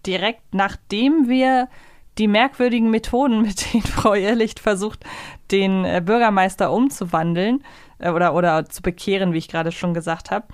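Woman, medium pitch, dry close sound, casual podcast chat, rambling, self-correcting. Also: steady tone, moderate pace, a little mellow, no echo. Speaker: podcast co-host.

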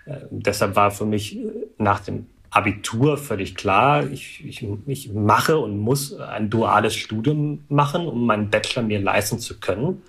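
A man in his thirties whose first language is Vietnamese, giving measured, analytical interview answers with some hesitations. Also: lowish voice, gravelly, a bit bright. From Germany. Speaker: guest, alumnus.

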